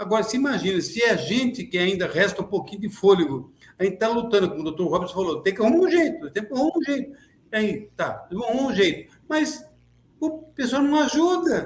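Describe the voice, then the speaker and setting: An animated man at a high pitch, his voice swinging very widely, at a fairly quick pace. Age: 70s. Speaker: journalist. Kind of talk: online panel discussion. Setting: livestream.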